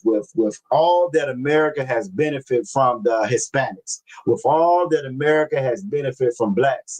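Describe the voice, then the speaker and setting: A man teaching a religious language class over a video call, reading scripture slowly and often repeating himself. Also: mid-range voice, low-quality recording. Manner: repeats phrases, constant "you know what I'm saying"; slow, deliberate scripture reading.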